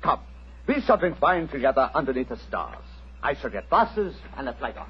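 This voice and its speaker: An actor playing a proud, warm-hearted and hospitable gypsy father in an old radio drama, speaking formally and solemnly. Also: medium pitch, very animated, moderate pace, husky. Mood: grateful, solemn. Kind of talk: 1940s radio acting. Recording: muffled old radio recording.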